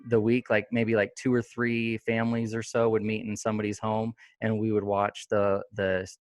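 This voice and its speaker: Low-voiced man hosting a chatty podcast. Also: monotone, normal speed, dry recording. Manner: rambling, many fillers and restarts. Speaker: podcast host. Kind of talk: casual interview chat.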